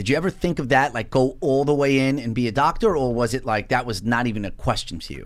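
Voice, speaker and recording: At a fairly quick pace, a man with a medium pitch and an American accent speaks in a plain, everyday voice. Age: 40s. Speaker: podcast host. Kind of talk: casual interview.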